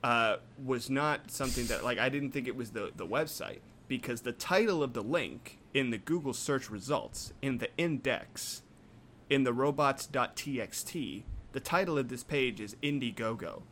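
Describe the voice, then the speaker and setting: Brief: mid-pitched man, rambling, mock-outraged banter. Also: moderate pace, a bit bright, slight background noise. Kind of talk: casual comedic chat.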